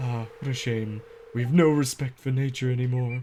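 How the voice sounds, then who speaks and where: A man puts on a character voice at a medium pitch, his intonation flat and monotone. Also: moderate pace. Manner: sinister, mock-regretful.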